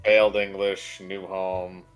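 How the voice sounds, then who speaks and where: A man's voice: low-pitched, level tone, slow. A man chatting casually as co-commentator on a let's play. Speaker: co-commentator on game stream. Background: game music.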